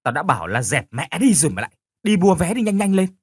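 A man's voice: fairly high pitch, sing-song, quick pace, husky, dry recording, clean studio sound, voice pushed up. A man voicing a brash, kind-hearted young woman who bosses her friend around bluntly, in an audio story. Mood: bossy caring. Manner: bossy, blunt, swears affectionately.

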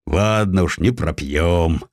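An actor voicing a brash, folksy Cossack chieftain who talks boastfully and defiantly in colloquial peasant speech. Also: male voice, deep voice, slow pace, no echo, clean studio sound.

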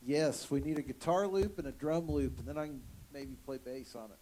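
A man's voice: fairly high pitch, normal speed, warm tone, a little hiss or hum. A man chatting casually and joking about the band while making music. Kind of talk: casual chat while jamming. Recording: echoey room with long reverb.

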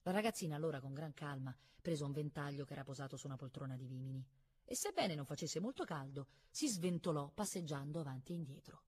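A woman reading a novel aloud in a calm, measured narrating voice. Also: deep voice, breathy edge. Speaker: reader.

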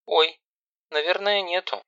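A man's voice: high-pitched, steady tone, measured pace, bright, forceful tone, clean tone, dry recording, pitched above the performer's own voice, heavily acted. A man voicing a flustered middle-aged mother who fusses anxiously over her daughters. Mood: anxious fretting. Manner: anxious, fussing. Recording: dull lo-fi recording.

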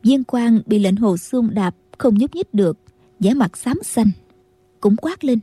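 A woman reading a martial-arts audiobook in a very dark, mellow voice with a husky edge. Her pitch sits a bit high for her, and the sound is dry and close. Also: animated, unhurried, no echo. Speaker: audiobook narrator. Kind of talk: scripted martial-arts novel narration.

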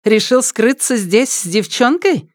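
A man voicing a spoiled, furious rich teenage girl in an audiobook, shrill, mocking and scornful. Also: animated, unhurried, dry recording, clean studio sound. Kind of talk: audiobook character voice.

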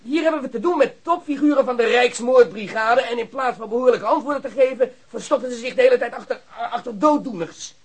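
A man's voice: very high voice, fast talker, few pauses, breathy edge. A man acting a blunt, confrontational character in a radio play, with a challenging way of talking. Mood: indignant. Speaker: actor in a radio drama. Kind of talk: naturalistic radio play dialogue.

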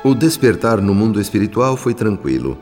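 Deep-voiced solemn spirit narrator, radio drama, big reverb, faint music. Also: male voice, very animated, darkish tone. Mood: solemn, compassionate. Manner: solemn, literary, measured. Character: solemn, humble male spirit narrator recounting events. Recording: long reverb, music behind.

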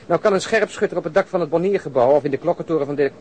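A man's voice: on the high side, rapid-fire, darkish tone, slight background noise, natural voice. A man acting a commanding, probing senior policeman in a Dutch radio drama. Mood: deliberating. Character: commanding senior policeman planning a rooftop operation.

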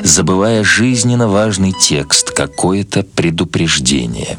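Male narrator, very deep register, scripted literary prose, prominent music underneath. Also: a little slow. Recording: music behind the voice.

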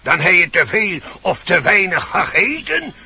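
An actor playing a hungry, bossy, simple-minded pig in a radio play. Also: male voice, high voice, unhurried, heavily acted. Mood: matter-of-fact. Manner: blunt, excitable, simple-minded. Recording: muffled, noisy old radio play.

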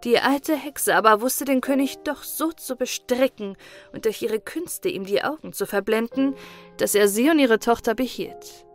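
A woman narrates a fairy-tale audiobook in a calm, measured way. Her voice sits a little high. Faint music runs beneath the reading.

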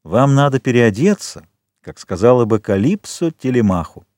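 Calm polite count, mellow dry voice, storybook reading, man doing it. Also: medium pitch, normal speed, dry recording, lightly acted. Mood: warm courteous. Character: composed, gracious older nobleman count.

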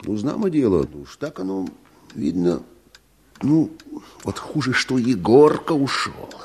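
An actor playing a gruff, plain-spoken peasant sidekick in a Russian radio drama, husky and halting, with a rustic muttering manner. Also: male voice, mid-range voice, big pitch swings, a little mellow. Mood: gloomy, bitter.

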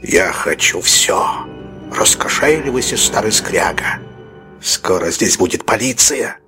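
A man voicing a brutal, desperate male robber with a slow, threatening delivery. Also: on the low side, animated, music in the background. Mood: menacing.

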